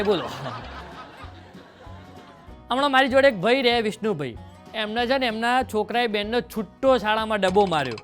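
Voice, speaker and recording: A man performing stand-up comedy, telling jokes and stories to the audience in a lively way. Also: high voice.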